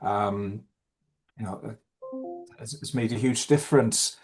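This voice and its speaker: Halting man chairing an online forum. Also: lowish voice, darkish tone, slightly rough, soft background music, low-quality recording. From Wales. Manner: hesitant, many fillers and restarts. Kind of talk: online meeting chat.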